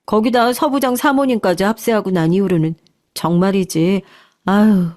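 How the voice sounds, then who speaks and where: A woman voicing a weary, resigned office worker's wife who confides in a hushed way. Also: mid-range voice, moderate pace, lightly acted. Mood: confiding.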